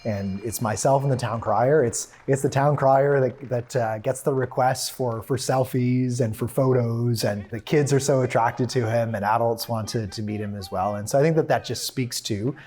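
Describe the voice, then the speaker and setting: A man's voice: medium pitch, normal speed, few pauses, darkish tone. A man with a Canadian accent giving an earnest interview testimonial, repeating words for emphasis. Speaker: local interviewee.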